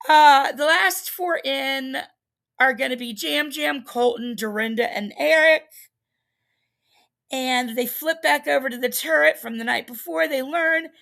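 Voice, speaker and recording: A woman with a high voice and a bit of gravel in it, talking slowly. She chats through a show recap, rambling, full of "um" and "you know," and laughing at herself. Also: sharp tone. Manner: chatty, rambling, laughs at herself, many fillers. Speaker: livestream host recapping a reality show. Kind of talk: casual solo recap.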